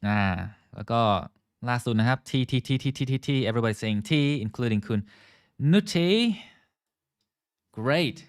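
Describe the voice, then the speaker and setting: A man's voice: medium pitch, lively intonation, drawn-out words, clear, resonant tone, dry recording, clean studio sound. A man teaching a live online English lesson, switching between English and Thai, drilling pronunciation and greeting viewers by name.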